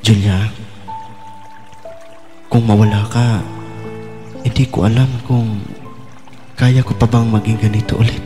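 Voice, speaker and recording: A man's voice: fairly low pitch, level tone, a little slow, pauses often, lightly acted. An actor playing a troubled, doubting young man in love in an audio drama, speaking in a brooding, vulnerable, hesitant way. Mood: wistful. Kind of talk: Filipino audio drama acting, intimate dialogue. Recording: long hall reverb over music.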